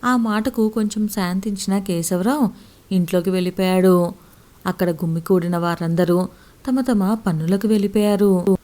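A woman storyteller reading a scripted story in a steady, expressive way. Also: medium pitch, moderate pace.

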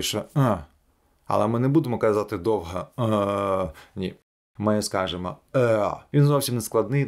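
Gravelly man teaching English pronunciation. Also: on the low side. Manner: demonstrates sounds slowly and clearly. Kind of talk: video lesson.

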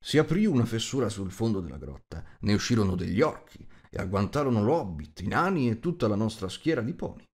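A man voicing an old, patient wizard telling a tale in a measured, hesitant, diplomatic way. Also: on the low side, big pitch swings. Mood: wry. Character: old wise male wizard, patient storyteller.

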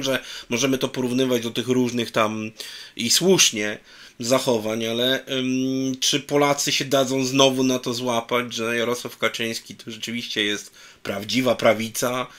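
A man's voice: medium pitch, fairly bright tone. Middle-aged male host asking long questions. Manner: long winding questions, emphatic. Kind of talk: political interview over video call. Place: room with bookshelves. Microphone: video call webcam.

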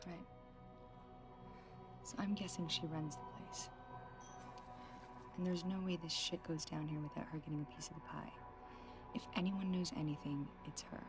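An actress playing an irritable woman on a criminal job, talking fast and swearing at her partner. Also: low voice, fairly even intonation, over music. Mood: tense. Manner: profane, snappish.

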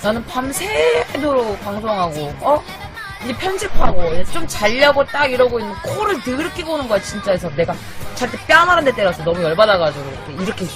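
Animated young Korean woman venting. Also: fairly high pitch, fairly quick, music in the background, a crowd in the background. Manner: animated, exasperated, swears casually. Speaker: live streamer. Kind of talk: casual late-night venting chat. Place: small apartment at night, sister asleep in the loft. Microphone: desk microphone.

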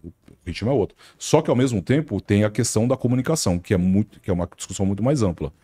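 Brazilian man, TV presenter guest, fast husky lively talk, low voice. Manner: animated, acts out quotes of colleagues. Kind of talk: casual podcast chat.

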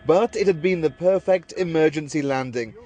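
A man's voice: fairly high pitch, normal speed, warm tone. A man narrating a scripted television news report as the reporter.

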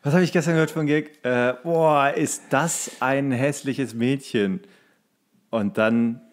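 A young man chats as a podcast co-host. His voice is of average male pitch. The delivery is loose and conversational, with a playful, joking manner. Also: steady tone, takes it slowly. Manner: playful, jokey. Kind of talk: casual chat.

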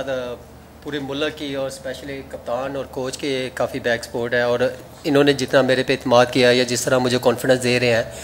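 Young player, soft-spoken and level at a press-room table mic. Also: male voice, medium pitch, slight background noise. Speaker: cricket player. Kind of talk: press conference answers. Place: indoor press conference room. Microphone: table microphone.

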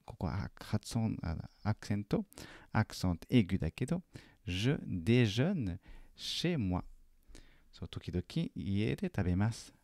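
A man teaching French in a lesson video, patiently correcting a student's homework and repeating French phrases slowly and carefully. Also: lowish voice, big pitch swings, creaky, dark tone, no room sound, studio quality.

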